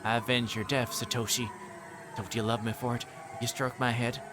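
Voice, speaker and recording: A man's voice: mid-range voice, level tone, normal speed, very noisy, close to an everyday voice. A man voicing a deranged young woman killer in a visual novel, bitter and obsessive, brooding and gloating as she speaks. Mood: manic gloating. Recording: music playing behind the voice.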